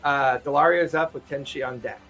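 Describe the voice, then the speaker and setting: A man of medium pitch acts as game master, improvising narration for a tabletop game in casual speech. Faint music sits behind him. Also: fairly even intonation, brisk, a bit bright.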